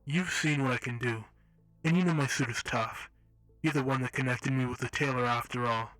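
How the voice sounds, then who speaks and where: A male narrator voices a cool, menacing masked healer from a storybook. He speaks softly and without hurry, with quiet amusement in his voice. The recording is dry and close. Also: mid-range voice, fairly even intonation, no echo, soft background music, natural voice, poor audio. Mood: cool menace. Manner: soft, unhurried, quietly amused.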